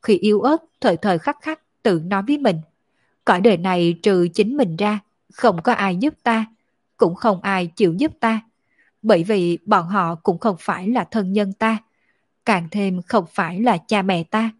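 A tearful young orphan woman, lonely and grieving, voiced by a female audiobook reader. Her words come slow and choked, at a middling pitch. The sound is dry and close, with no room around it. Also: no room sound, lightly acted. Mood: sorrowful.

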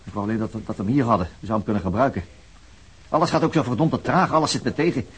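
A fed-up police investigator in a radio play. He speaks quickly and briskly, with frustration at a mid pitch. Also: slightly rough. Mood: frustrated. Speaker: police detective. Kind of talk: radio drama acting.

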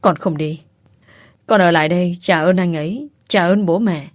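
A woman voicing a young mother who pleads softly and tearfully. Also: lowish voice, moderate pace, no echo, clean studio sound, lightly acted. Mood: pleading.

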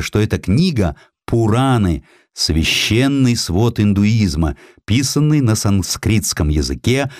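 A man narrating a historical literary essay in an expressive, theatrical way. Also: fairly low pitch, no room sound, clean studio sound. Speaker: audiobook narrator.

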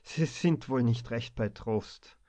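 A man voicing a gruff older bank director who speaks in a curt, commanding tone, in a storybook reading. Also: mid-range voice, slow, warm tone, natural voice. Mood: stern. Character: gruff older male bank director, stern but fatherly. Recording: dull lo-fi recording.

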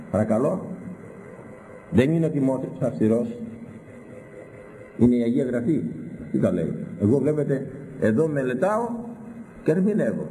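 A man's voice: medium pitch, warm tone, in a large hall, low-quality recording. A man preaching a stern, scolding sermon full of rhetorical questions. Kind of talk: sermon with Bible interpretation.

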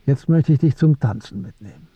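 An actor playing a wise, gentle old Muslim shopkeeper who teases and philosophizes unhurriedly in a radio drama. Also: male voice, medium pitch, lively intonation, fairly quick, husky, no room sound, muffled recording. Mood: serene, wise. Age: older.

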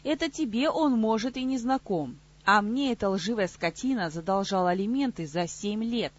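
A woman voicing a brash, aggressive woman in an audiobook, scolding in a shrill, husky voice. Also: expressive, normal speed, dull audio, close to an everyday voice. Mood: furious. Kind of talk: audiobook character voice.

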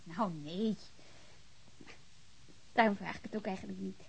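An actress playing a cheeky, teasing young student daughter in a radio drama, playful and probing. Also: female voice, medium pitch, a little slow, creaky, darkish tone, husky, exaggerated voice, low-quality recording. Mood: insistent, coaxing. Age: young adult. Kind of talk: Dutch radio drama dialogue.

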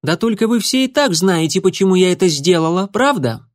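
Brief: male reader playing a defiant young she-cat, sharp and raised, dry close sound. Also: high-pitched, expressive, fairly quick, no room sound, voice pushed up. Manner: sharp, hissing, indignant. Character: young fierce female cat, proud and defiant.

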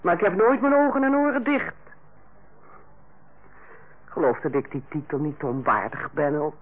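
An actress playing a proud, stern senior nurse with a dry, self-assured manner in a radio drama. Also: female voice, low-pitched, moderate pace. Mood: proud, wry. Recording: muffled, narrow old radio recording.

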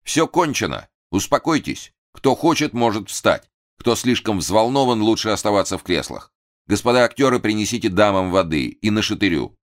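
Brief: man playing a composed detective, slight stammer, firm and measured. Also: low-pitched, expressive. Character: calm, commanding gentleman detective.

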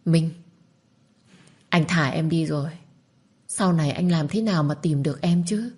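A woman's voice: low-pitched, measured pace, husky. Woman doing a torn, guilt-ridden young man. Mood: pained. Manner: pained, pleading softly.

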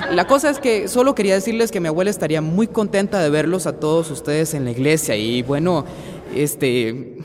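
A man's voice: on the high side, normal speed, in a large hall, natural voice. An actor playing a young man who nervously thanks a crowd, stumbling over his words. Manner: hesitant, stumbling, lots of fillers. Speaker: grandson giving a thank-you speech.

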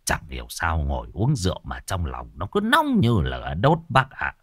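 A man voicing a gruff middle-aged village man who speaks low and subdued. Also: huge pitch swings, normal speed, fairly bright tone, no room sound, clean studio sound, heavily acted. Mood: explaining.

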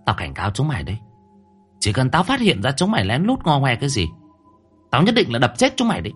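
A man's voice: mid-range voice, animated, a little fast, slightly rough, soft background music. A man voicing a furious, bossy middle-aged mother who screeches threats and scoldings.

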